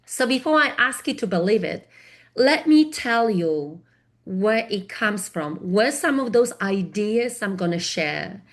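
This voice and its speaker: A middle-aged woman from Poland with a Polish accent, hosting a live webinar and talking directly to the viewers typing in the chat. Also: mid-range voice. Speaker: webinar host and project consultant.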